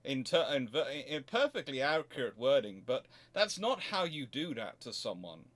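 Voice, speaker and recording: A man hosting a casual livestream, chatting in a halting, digressive way with wry, mildly sarcastic asides. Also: medium pitch, very animated, fairly bright tone. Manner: halting, digressive, self-interrupting. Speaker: livestream host answering chat. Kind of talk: casual rambling livestream chat.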